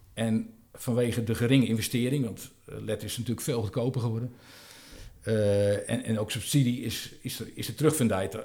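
Here a man talks at a moderate pace in a medium pitch with fairly even intonation. His tone is dark and mellow, and somewhat breathy. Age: 60s. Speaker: lighting specialist. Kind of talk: interview. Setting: at a table in person. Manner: halting, many repetitions.

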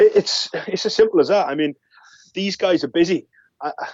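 A man speaks at a moderate pace with a Welsh accent. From South Wales. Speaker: strap maker, business owner. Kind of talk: interview, casual chat.

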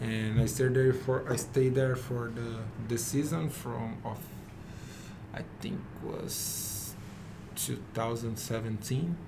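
A medium-pitched man with a Brazilian accent speaks very slowly, with long, frequent pauses and ordinary pitch variation. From Brazil, São Paulo. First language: Portuguese. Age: 20s. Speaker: soccer player. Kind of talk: interview. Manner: halting.

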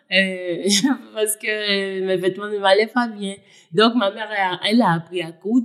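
A woman talks at a fairly slow pace with medium pitch. Her intonation is monotone and flat. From Haiti. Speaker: image consultant. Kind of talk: interview.

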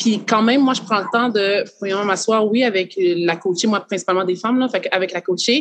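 A woman speaks at a moderate pace and medium pitch, with ordinary pitch variation, very even loudness and hardly any pauses. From Quebec. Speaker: NLP coach. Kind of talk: casual interview chat.

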